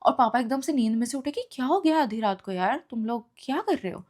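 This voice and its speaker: A woman's voice: a little high, fairly quick. A young woman telling a personal story in a casual, emotional monologue, mixing English phrases into her speech. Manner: emotional, expressive retelling.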